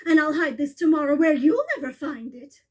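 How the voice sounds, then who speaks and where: Woman doing a storybook eagle, male, mighty, cocky, dismissive, loud, high. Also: brisk, lightly acted.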